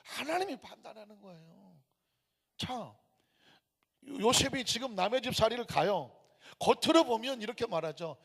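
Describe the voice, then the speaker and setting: A man's voice: extremely high pitch, lively intonation, unhurried, gravelly, long pauses, a bit bright, slightly rough. A pastor in his fifties preaching emphatically in a church, with rhetorical questions and storytelling. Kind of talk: sermon. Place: church sanctuary. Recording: long church-hall reverb.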